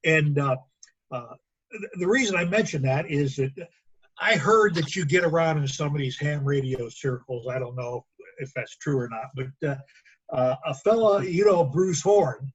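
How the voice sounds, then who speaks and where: A man chatting casually at a club meeting in a halting, rambling way. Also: a little high, dull audio, a little hiss or hum. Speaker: radio club member.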